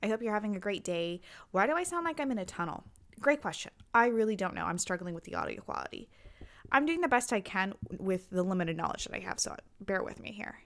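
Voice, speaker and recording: Woman podcast host, from Utah, casual and quick, mid-range voice, echoing tunnel sound on a home recording. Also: medium pitch, expressive. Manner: chatty, self-deprecating, quick asides. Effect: hollow echoing tunnel-like sound. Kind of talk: casual solo podcast chat. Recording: echoey home recording, mic set back.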